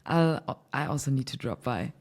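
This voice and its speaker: Podcast host, woman from Germany, low pitch, chatty, laughs easily. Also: lively intonation, moderate pace. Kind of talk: casual podcast interview. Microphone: remote call.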